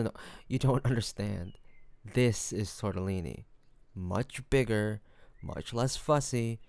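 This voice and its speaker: Gravelly, charming mafia boss, played by a man. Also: fairly low pitch, dry recording. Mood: modest, playful. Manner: relaxed, playful storytelling with frequent soft chuckles. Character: charming, hospitable male mafia boss, family-minded and teasing. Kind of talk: intimate scripted audio roleplay, spoken to one listener.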